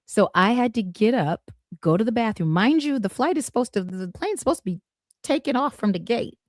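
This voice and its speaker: A middle-aged woman telling a lively story as a guest in a casual podcast chat, with sudden bursts of excitement. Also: fairly high pitch, a little fast, dry recording, studio quality. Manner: animated, vivid retelling with bursts of excitement.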